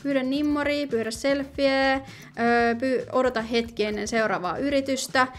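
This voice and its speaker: A young woman commenting casually on her gameplay, chatty and excitable, often pleading and reading out game options. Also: high-pitched, faint music behind. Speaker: gaming video host.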